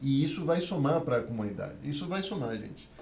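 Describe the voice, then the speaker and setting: A man's voice: medium pitch, big pitch swings, a little fast, vocal fry, darkish tone, reverberant, a little hiss or hum. A man from Venezuela, speaking as an interview guest about immigrant life, earnest and tagging nearly every phrase with a questioning "né". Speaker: guest, immigrant community worker. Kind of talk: podcast interview, telling his experience.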